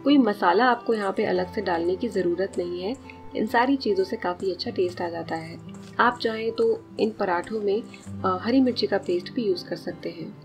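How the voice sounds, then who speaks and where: A woman's voice: medium pitch, normal speed, soft background music. A woman in her thirties talking through a cooking recipe in a casual, explanatory vlog voice-over, walking through each step as she works. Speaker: cooking vlogger. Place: home kitchen.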